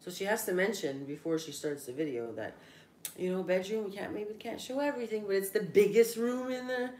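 A woman's voice: mid-range voice, fast talker, a little mellow. A woman, joking sarcastically in a reaction chat. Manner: sarcastic, mocking. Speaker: reaction vlog co-host. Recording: echoey room with faint noise.

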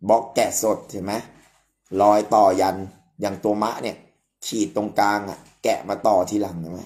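A man's voice: on the low side, fairly even intonation, normal speed, darkish tone. A man hosting a live stream, explaining the details of an amulet coin in an emphatic, explanatory way with frequent polite particles. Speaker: amulet expert host.

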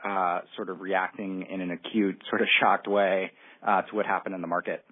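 A man's voice: sits low, little pitch movement, moderate pace, husky, no room sound. A man answering analyst questions as a company executive, hesitant and careful to hedge his points. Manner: hesitant, hedging. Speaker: company executive on an earnings call. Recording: muffled narrowband phone line.

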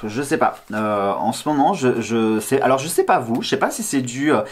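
Man, thirties, slight lisp with slushy s, mid pitch, casual vlog chat, playful, self-teasing, rambling asides. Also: expressive, moderate pace. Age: 30s. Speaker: tarot card reader and video host. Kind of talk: casual chatty vlog to camera. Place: small indoor room, seated at a table.

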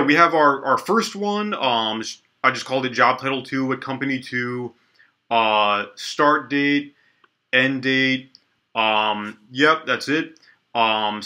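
A young man with a stuffy, sniffly voice from allergies, casually talking through a coding tutorial at his desk with lots of ums and restarts. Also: medium pitch. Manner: relaxed, lots of ums and restarts, thinks aloud while typing. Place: small indoor room at a desk.

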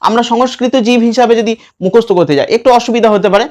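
Guy teaching a class, slow repeated chanting drills, patient, keeps asking "okay?". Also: very high-pitched, a little mellow, highs cut off. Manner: checks in with listeners often. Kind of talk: classroom lesson with recitation drills.

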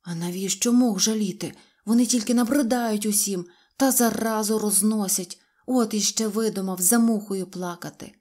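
A woman's voice: medium pitch, normal speed, few pauses, warm tone, lightly acted. A woman voicing a sensible little boy who insistently comforts his crying friends. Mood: dismissive. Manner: earnest, insistent reassuring.

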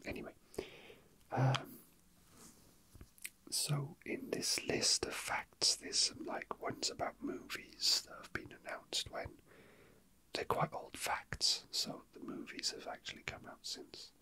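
Whispering ASMR host, hushed and musing. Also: no room sound, low-quality recording. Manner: hushed, unhurried, musing to self. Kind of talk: whispered ASMR, casual chat while handling a toy figure.

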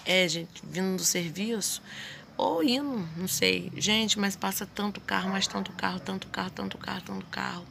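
Gravelly bright-voiced woman in her 30s, chatty home vlog on a phone, bit of background noise. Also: medium pitch, moderate pace. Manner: chatty, gushing, addresses viewers as "gente". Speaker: home vlogger. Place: house porch and kitchen at dusk. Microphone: handheld phone at arm's length.

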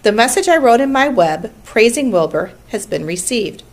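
A woman reading a storybook aloud, voicing a wise, precise female spider who runs a barn meeting in a brisk, tart, schoolmarmish way. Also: a little high, very animated, pitched above the performer's own voice.

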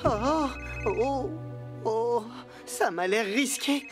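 A man voicing an excitable, playful young builder's apprentice in a children's cartoon, with boyish exclamations. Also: extremely high pitch, drawn-out words, music in the background, full character voice. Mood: playful alarm. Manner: boyish, exclamatory, breathless little cries. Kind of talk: children's animated cartoon dub.

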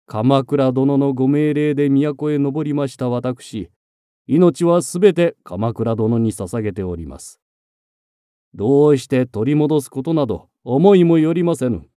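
A man voicing a captured warrior who speaks calmly and formally, without remorse. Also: medium pitch, unhurried, clean tone, dry recording, clean studio sound, natural voice. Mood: resolute. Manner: calm formal and unrepentant. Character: resolute captured male warrior monk.

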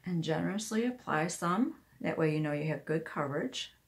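A woman's voice: low voice, expressive, normal speed. A woman giving a casual hands-on craft demonstration, talking herself through each step. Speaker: craft tutorial host, independent product demonstrator. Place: indoors at a wooden craft table.

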